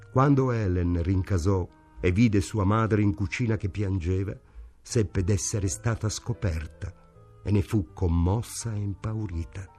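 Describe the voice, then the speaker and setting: A man narrating a novel in a measured, unhurried storytelling voice. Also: on the low side, dark tone. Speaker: reader. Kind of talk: audiobook narration.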